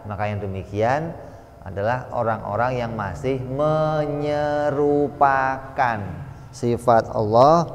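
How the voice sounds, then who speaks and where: Slow-speaking man teaching in an echoey hall. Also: mid-range voice, slight background noise. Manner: slow, explanatory, with lively sound-effect examples. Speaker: religious teacher. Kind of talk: Islamic study lecture. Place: pesantren study hall. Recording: echoey hall with long reverb.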